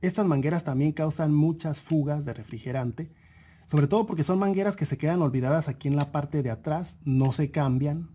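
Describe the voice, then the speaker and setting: A man calmly walking through a car engine repair lesson, pointing out parts one by one and repeating key points. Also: on the high side, moderate pace, slightly rough. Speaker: auto mechanic instructor. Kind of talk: explanatory car repair tutorial voice-over.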